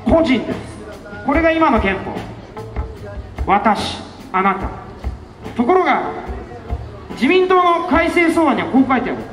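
A man delivers an impassioned outdoor campaign speech through a loudspeaker, his voice pitched unusually high and lively. He talks in a fiery, rhetorical way and keeps breaking into shouts. The sound rings with a long echo, and faint music plays behind him. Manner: fiery, rhetorical, with repeated questions and bursts of shouting. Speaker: election campaign speaker. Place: outdoors in front of a busy station.

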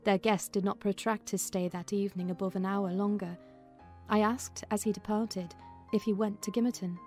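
A woman reading a classic novel as a dramatized audiobook, in a measured, expressive storytelling manner. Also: medium pitch, faint music behind. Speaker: audiobook narrator.

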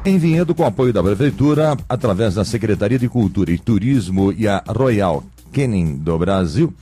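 A man's voice: lowish voice, lively intonation, moderate pace, dark tone, soft background music. A man with a Brazilian Portuguese accent hosting a radio interview, chatty with jokey asides. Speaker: radio host.

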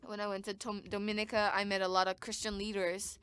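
A woman's voice: medium pitch, flat delivery, fast talker, fairly bright tone, clean tone. A woman giving live interpretation of a sermon, speaking in short bursts with frequent restarts.

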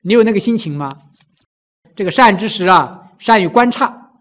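At a normal speed, a lively, high-voiced man delivers a Buddhist sermon, sweeping across his vocal range. He peppers the audience with rhetorical questions and imitates the cries of people in pain.

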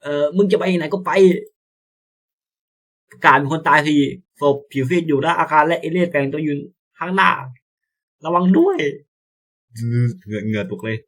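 Excitable young man streaming a game. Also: a little high, moderate pace, long pauses. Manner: excitable, yelps and swears at scares; reads game lines aloud, stammering. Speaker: gameplay streamer. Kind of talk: casual let's-play commentary.

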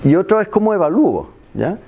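This is a university lecture by a middle-aged man from Chile, whose high-pitched, warm, slightly breathy voice is very animated and a little fast. Chatting with the seated students, he checks in with "¿ya?" after almost every point and makes self-deprecating jokes. The seminar room has a projector; he holds a mic, the camera sits far away, and the audio sounds muffled.

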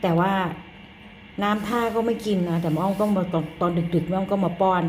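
A woman's voice: medium pitch, fairly quick, darkish tone, poor audio. Woman rambling on about her pets at home, polite but grumbly, bit of faint noise behind her. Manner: chatty, polite, complaining, heavy use of polite sentence endings. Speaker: pet-keeping vlogger. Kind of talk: casual home vlog chat. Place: at home among pet cages.

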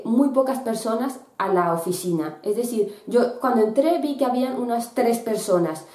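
A woman in her thirties talks to camera in a bright room by a window, pausing often with fillers and restarting her sentences. Her voice is soft and mellow, and the room gives it a noticeable echo. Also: on the high side. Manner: hesitant, many fillers and restarts. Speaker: student vlogger. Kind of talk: casual explanatory vlog.

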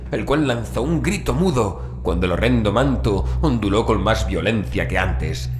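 Deep guy reading a scary story, slow dramatic pauses, roomy echo and a bit of noise behind. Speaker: audiobook narrator. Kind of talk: scripted horror story narration.

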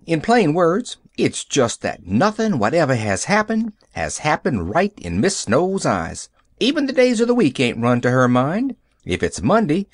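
A man's voice: a little high, dry recording, clean studio sound, pitched above the performer's own voice, exaggerated voice. A man voicing a sour, gossipy country housemaid who grumbles in rustic dialect.

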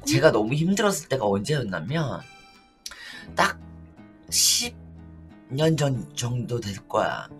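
Animated middle-aged man over loud music. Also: medium pitch, a little slow, long pauses. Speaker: livestream co-host and drag show performer. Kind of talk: casual chat and storytelling.

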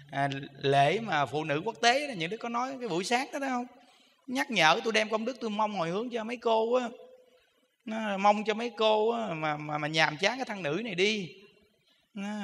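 A man's voice: high-pitched, bright, forceful tone, in a large hall, slight background noise. A man with a Southern Vietnamese accent, a Buddhist monk giving a humorous, chatty sermon full of rhetorical questions. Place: temple hall.

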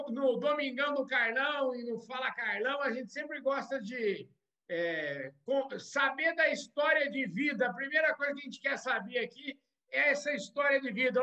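Bright high-voiced male show host. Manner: upbeat and emphatic, calling out greetings. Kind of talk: broadcast interview hosting. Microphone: video call. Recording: dull lo-fi video call audio.

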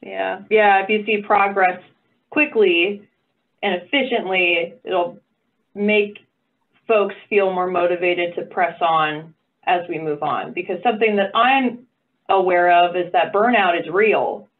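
A woman's voice: on the low side, a little slow. A woman running an online stakeholder meeting, upbeat and encouraging with playful asides. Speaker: meeting facilitator. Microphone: video call. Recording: phone-like video call audio.

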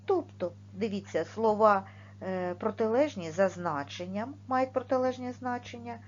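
A woman teaching a video lesson for young children, speaking clearly and stressing each word and sound. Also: mid-range voice, expressive, muffled recording, a little hiss or hum. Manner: slow, clearly articulated, stressing words and sounds. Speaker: primary school teacher.

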